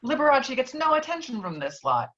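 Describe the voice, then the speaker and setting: Casting: woman narrator for stage directions, lively intonation, slightly muffled video-call sound. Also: high voice, fairly quick. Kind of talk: scripted narration, screenplay table read. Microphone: virtual table read over video call. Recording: dull lo-fi video call audio.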